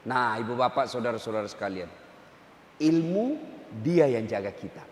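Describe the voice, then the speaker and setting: A man's voice: medium pitch, animated, moderate pace. A man, preaching a humorous sermon and acting out characters in his stories. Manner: joking storyteller, acts out characters. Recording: echoey hall, faint noise.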